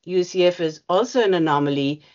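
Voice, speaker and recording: Woman, video call, slightly low voice, muffled lo-fi sound, hesitant, many fillers. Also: brisk, darkish tone. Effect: heard over a video call. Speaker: union bargaining representative. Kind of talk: presenting slides in a meeting.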